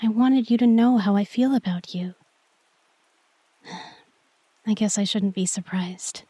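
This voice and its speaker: Shy, tender young girlfriend woman acting, soft breathy near-whisper, dry close sound, gentle romantic ASMR audio drama. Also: mid-range voice, slow, dry recording. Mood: soft, affectionate. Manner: gentle, hesitant, intimate address to one listener. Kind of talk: romantic sleep-aid audio roleplay, intimate ASMR.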